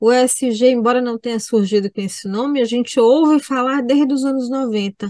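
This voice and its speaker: Recorded with a dry, close sound and no echo, a woman speaks at a high pitch and a moderate pace with ordinary pitch variation. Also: hardly any pauses. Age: 50s. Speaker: podcast host. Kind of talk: casual interview. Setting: studio.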